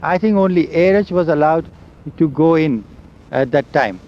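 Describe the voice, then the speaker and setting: Older guy telling old stories slow and halting, kinda high voice, dull lo-fi tape with faint hiss and traffic. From India. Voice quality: loud voice. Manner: slow, halting storytelling of memories. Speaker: interviewee. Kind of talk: oral history recollection. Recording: dull lo-fi recording with faint hiss and vehicle sounds.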